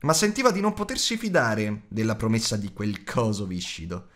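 A man's voice: lowish voice, lively intonation, moderate pace, fairly bright tone. A man narrating an audiobook in a dramatic, varied reading style. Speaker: audiobook reader.

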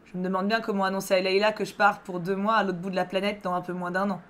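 A woman reading aloud the lines of a young male French singer, a tender lover, in a plain calm voice. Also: mid-range voice, quick pace, lightly acted. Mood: thoughtful. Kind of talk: reading visual novel dialogue aloud.

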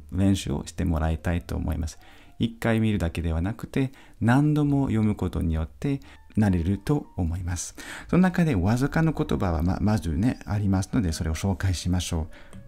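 A male teacher giving a patient pronunciation lesson, repeating each sound slowly for practice. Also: deep voice, big pitch swings, gravelly, dark tone, faint music behind. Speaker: French teacher.

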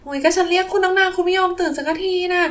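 Woman as a fretful mother with high voice. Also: steady tone, racing, fairly bright tone. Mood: exasperated. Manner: fretting, exclaiming. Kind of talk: children's toy play storytelling.

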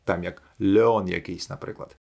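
A man teaching English pronunciation in a video lesson, demonstrating sounds slowly and clearly. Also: low voice, steady tone, a little mellow.

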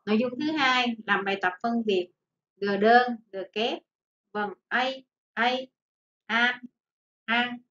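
A woman primary school teacher dictating to children, speaking deliberately and enunciating word by word. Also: fairly high pitch, fairly bright tone. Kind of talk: slow dictation-style lesson for children. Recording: echoey room, dull sound, faint noise.

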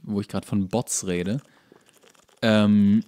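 A man hosting a podcast, chatting casually in a halting, comically exasperated way. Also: on the low side, fairly even intonation, warm tone. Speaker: podcast host.

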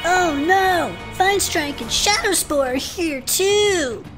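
A woman voicing over-dramatic cartoon heroes and villains in a toy commercial, loud and theatrical. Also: very high-pitched, lively intonation, takes it slowly, music in the background, heavily acted. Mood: alarmed.

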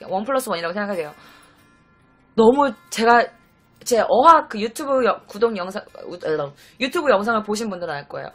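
A woman talks in a casual vlog as a Japanese-language tutor. She rattles on quickly, with a breathy, husky edge. Her pitch leaps around as she lectures her viewers directly, dropping to soft asides and then jumping to loud bursts.

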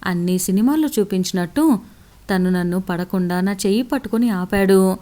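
Woman with a mellow storytelling voice. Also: mid-range voice, normal speed. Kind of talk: scripted first-person story narration.

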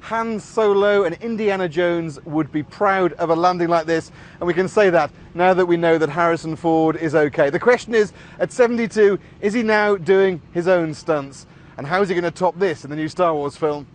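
Male news reporter, higher-pitched. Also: normal speed. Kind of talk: scripted news report narration.

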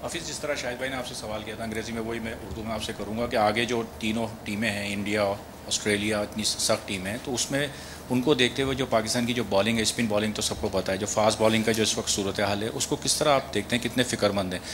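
A man's voice: lowish voice, steady tone, quick pace, background noise. A man, a reporter asking a long, pressing question at a press conference.

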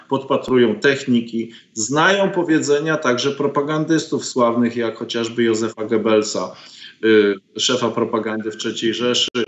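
Middle-aged male guest, hesitant and indignant, full of ums, roomy dull webcam sound. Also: medium pitch. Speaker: guest commentator, professor. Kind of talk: political interview over video call. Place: home study with bookshelves. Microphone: video call webcam. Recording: roomy, dull lo-fi call audio.

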